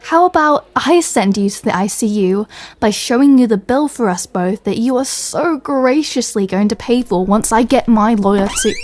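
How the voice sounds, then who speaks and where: A fed-up superhero woman, acted by a woman for a comedy audio roleplay. Her voice sits a little high with a mellow tone and no room sound. Her delivery is dry and sardonic. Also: animated, normal speed, no room sound, close to an everyday voice. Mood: exasperated. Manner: dry, irritated, sarcastic.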